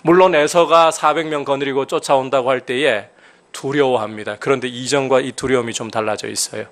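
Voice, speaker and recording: A man's voice: mid-range voice, steady tone, fairly quick, a bit bright. A male pastor preaching a sermon, explaining scripture and building to emphatic, raised peaks.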